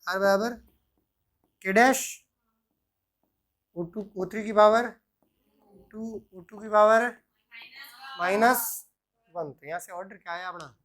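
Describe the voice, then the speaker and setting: A male chemistry teacher working through examples, asking himself questions and answering them, and dictating formulas slowly piece by piece. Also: high-pitched, a bit bright. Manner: answers own questions, repeats "ठीक है" often. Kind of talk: explaining worked examples at a board.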